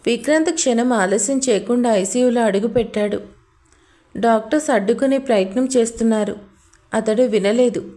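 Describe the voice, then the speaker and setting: Woman, storyteller, scripted audio drama narration, emotional delivery, fairly high voice. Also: moderate pace, warm tone.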